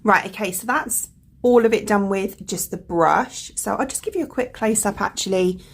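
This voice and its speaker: A woman with a croaky voice from a cold, chatting casually as a beauty vlogger, rambling with lots of fillers. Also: medium pitch, moderate pace. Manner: rambling, full of fillers like "like" and "you know". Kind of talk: chatty product review.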